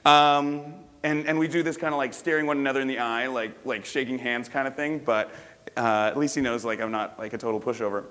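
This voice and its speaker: A man's voice: mid-range voice, steady tone, fairly quick, a bit bright. Rambling man in a reverberant hall. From Canada. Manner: rambling, self-correcting, casual. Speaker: dating coach. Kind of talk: teaching with a personal anecdote.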